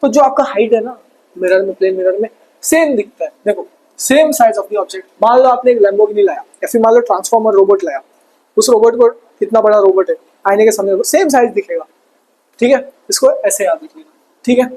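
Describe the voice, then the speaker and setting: A male teacher with an Indian accent and a high, mellow, slightly breathy voice gives an exam revision lesson a little fast, joking around, calling himself bhaiya, and constantly quizzing his students. The recording is low quality.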